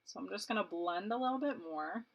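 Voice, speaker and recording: A woman's voice: medium pitch, expressive, a little fast, gravelly, lo-fi sound. A woman in her late twenties, a beauty vlogger chatting casually and rambling while she does her makeup, laughing often. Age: 20s.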